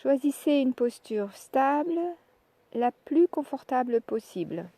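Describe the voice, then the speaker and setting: A woman leading a guided yoga relaxation, speaking calmly and in measured short phrases with pauses. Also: sits high, no room sound. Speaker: yoga nidra relaxation instructor. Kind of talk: guided meditation, soft instructional narration.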